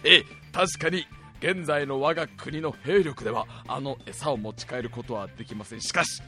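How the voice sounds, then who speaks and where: A man voicing a loyal soldier ant in a radio monologue, with a hoarse, formal, earnest delivery to his queen. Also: medium pitch, fairly even intonation, moderate pace, bright, forceful tone, faint music behind, natural voice. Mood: earnest, grand. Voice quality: hoarse, raspy.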